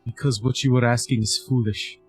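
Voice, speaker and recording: Husky, deadpan man lecturing. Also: mid-range voice, a little fast, faint music behind. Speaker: tabletop game player. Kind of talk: in-character role-play.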